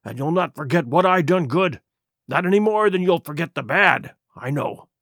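A crafty old sea-dog pirate, as a male narrator puts him on, talking in rough sailor's slang with a wheedling edge. His voice swings widely up and down and sits a bit high, and the recording is dry and close. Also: animated, moderate pace, a bit bright, no echo. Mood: earnest.

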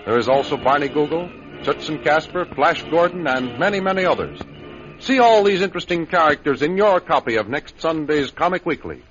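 Male 1930s radio announcer, measured and smooth, music bed, muffled recording. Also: on the high side, lively intonation, a bit bright. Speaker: announcer and narrator.

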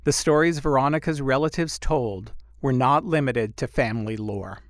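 A man's voice: mid-range voice, moderate pace, no room sound, studio quality. A man hosting a podcast, telling a personal story in scripted narration. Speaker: podcast host.

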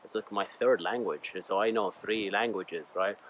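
A YouTuber and podcast host, a man whose first language is Arabic, gives a casual, earnest, rambling motivational monologue in English, often calling his viewers "guys." His voice is on the low side and a bit bright, at a moderate pace, with slight background noise.

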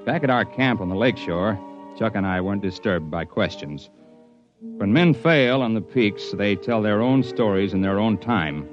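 An actor narrating as a tough, plain-spoken mountain climber in a 1950s radio drama, on an old broadcast recording with faint music. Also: male voice, fairly low pitch, moderate pace, lo-fi sound, natural voice. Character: tough mountain climber, grown man, dry humor. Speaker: narrator and lead.

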